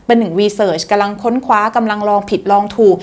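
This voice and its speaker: A woman reads tarot cards for her viewers in a chatty, polite way, drawing out the ends of her sentences. Her pitch sits in the middle, neither high nor low. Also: brisk, darkish tone. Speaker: tarot reader.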